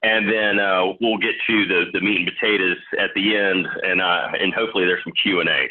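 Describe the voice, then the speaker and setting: Noticeable background noise behind a male speaker with an American accent, at a moderate pace. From North Carolina, US South. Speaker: cloud services partner representative. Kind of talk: business webinar presentation. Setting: online webinar.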